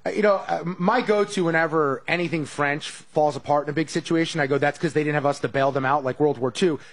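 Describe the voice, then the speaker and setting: Sports show host guy, bit husky, slightly higher voice, jokey and chatty. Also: fast. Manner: joking, conversational, leads the questions. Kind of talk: sports talk show hosting.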